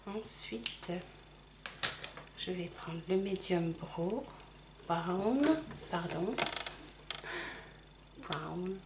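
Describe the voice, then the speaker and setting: A woman's voice: fairly low pitch, extremely slow, long pauses, noisy background. Chatty middle-aged woman doing makeup. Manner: chatty, apologetic, talks while applying makeup. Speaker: makeup vlogger. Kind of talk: casual makeup tutorial chat.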